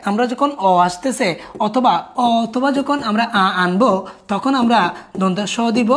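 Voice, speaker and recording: A woman, a teacher giving a recorded spelling lesson, explaining patiently and often telling listeners to look closely. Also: a little high.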